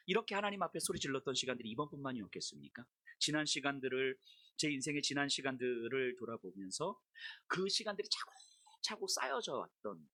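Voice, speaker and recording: A woman's voice: a bass voice, sharp tone, husky, no room sound. A middle-aged woman pastor giving a sermon, telling a personal story and at times raising her voice to replay her complaints.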